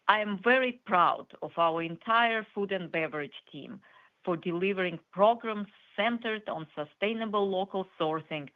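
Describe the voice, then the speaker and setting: A woman company executive reading a scripted corporate earnings presentation in a measured, formal way. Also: on the low side. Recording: muffled, band-limited conference call audio.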